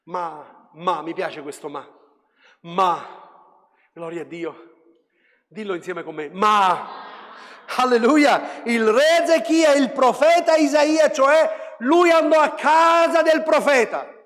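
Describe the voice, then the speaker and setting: A male pastor delivering a fervent sermon, dropping to a hush and then rising to shouts. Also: very high-pitched, takes it slowly. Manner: fervent preaching that swings between hushed and shouted. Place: church hall. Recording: long hall reverb.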